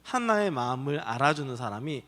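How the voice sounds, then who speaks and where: A man pastor telling a Bible story to children, animated and asking them questions. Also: medium pitch, fairly quick. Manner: animated, asks children questions and acts out voices. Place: church children's worship hall. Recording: reverberant hall.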